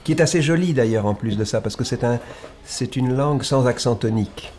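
A man with a neutral Île-de-France French accent, speaking as an author guest in a reflective conversation. He is thoughtful and halting, and his emphasis rises and falls sharply. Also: medium pitch, lively intonation. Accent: standard Île-de-France French. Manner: thoughtful and halting, with wide swings in loudness and emphasis.

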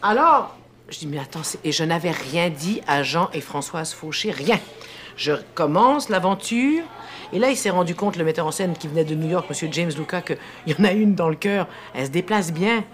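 A middle-aged woman with a Québécois French accent tells a personal story over lunch. Her voice sits a little low and swings widely in pitch as she laughs her way through it. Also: normal speed. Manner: animated storyteller, laughs often. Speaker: guest actress. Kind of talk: casual chat over lunch.

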